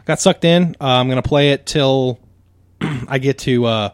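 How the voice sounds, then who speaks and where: A man co-hosting a gaming podcast, making wry quick asides in casual chat. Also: mid-range voice, clean tone, no room sound. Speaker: podcast co-host.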